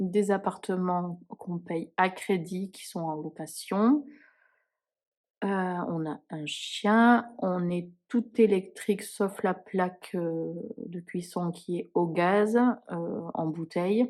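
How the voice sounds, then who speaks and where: Speaking very slowly at a medium pitch, a woman shows ordinary pitch variation and big swings in loudness. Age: 30s. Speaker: budgeting vlogger, childminder. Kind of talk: casual vlog talk to camera. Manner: hesitant, many fillers.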